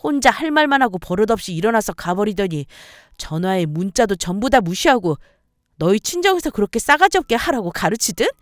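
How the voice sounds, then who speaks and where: A woman voicing a spiteful, entitled sister-in-law in a story radio drama, loud and insulting. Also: medium pitch, very animated, fairly quick, no room sound, studio quality, natural voice. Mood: sneering. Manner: shouting insults, loud and belligerent.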